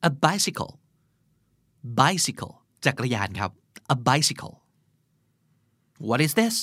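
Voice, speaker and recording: Guy teaching vocab, chatty, swoops up and down a lot, says words slow and clear, dry close sound. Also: fairly high pitch, dry recording. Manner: repeats English words slowly and clearly; lively, chatty teacher asking quiz questions. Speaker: host. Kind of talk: vocabulary lesson podcast.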